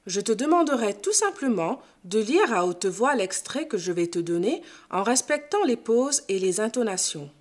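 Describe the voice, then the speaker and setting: A woman's voice: mid-range voice, very animated. A woman teacher giving a scripted lesson, explaining carefully and didactically. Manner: slow, careful, didactic delivery. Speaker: French teacher.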